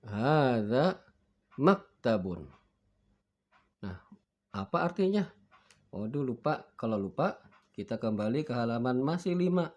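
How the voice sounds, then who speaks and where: A man's voice: mid-range voice, lively intonation, normal speed, pauses often, darkish tone, muffled recording. A man teaching a beginner Arabic lesson, reading each word twice for students to repeat and acting out forgetting and looking up words. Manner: patient, acts out forgetting and finding words.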